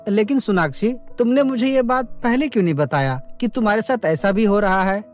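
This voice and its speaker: A man voicing a caring, calm young husband with gentle, concerned delivery in a cartoon story. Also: sits high, fairly quick, faint music behind, lightly acted.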